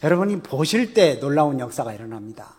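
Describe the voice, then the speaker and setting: A man's voice: on the high side, sing-song, quick pace, a little mellow, breathy edge, long reverb tail. A man, a pastor, preaching a sermon conversationally with rhetorical questions to the congregation.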